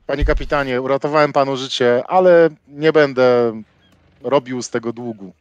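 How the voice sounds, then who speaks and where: A man's voice: medium pitch, steady tone, normal speed, clear, resonant tone, dry recording, dull audio. A man playing a tabletop game, speaking as his character and describing his actions with some hesitation. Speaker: player. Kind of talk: in-character role-play.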